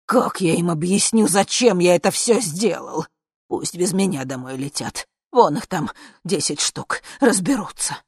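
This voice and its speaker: A woman reading an audiobook, voicing an old male dictator who swings from loud grumbling to hushed, sulky muttering. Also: mid-range voice, moderate pace, gravelly, dry recording, clean studio sound. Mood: grumbling loudly.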